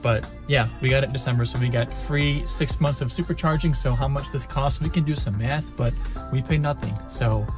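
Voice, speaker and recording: A man's voice: medium pitch, a little fast. A young man chatting casually to viewers in a travel vlog, upbeat and explaining things as he goes, recorded close up inside a car. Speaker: vlogger. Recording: background music.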